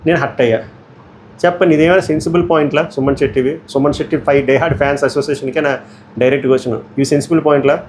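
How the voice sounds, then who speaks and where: Fast-talking man giving a blunt review. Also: a little high, fairly even intonation, a little mellow, slight background noise. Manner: blunt, rapid commentary mixing English words. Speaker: reality show reviewer. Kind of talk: casual opinionated episode review.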